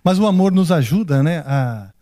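A man hosts an interview in a chatty, encouraging way and likes to muse aloud between questions. His voice is fairly high for a man and mellow in tone. The recording sounds dry and close. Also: expressive, moderate pace, dry recording. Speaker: podcast host. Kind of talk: casual interview.

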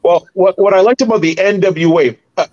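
A middle-aged man from Barbados, a former wrestler and promoter, recalling his career in an animated, detailed way as a podcast guest. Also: high voice, a little fast, muffled recording. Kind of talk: casual interview storytelling.

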